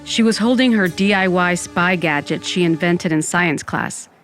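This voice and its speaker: A woman's voice: on the low side, normal speed, fairly bright tone, lightly acted. A woman playing a wry undead Latina who narrates her own story with dramatic flair in a comic audio drama. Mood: reflective. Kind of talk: first-person comic audio fiction narration. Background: music.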